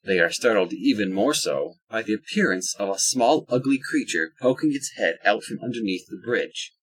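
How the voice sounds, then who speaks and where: Low, husky male narrator. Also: animated, normal speed, rough recording. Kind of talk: scripted audio drama narration, with wry asides.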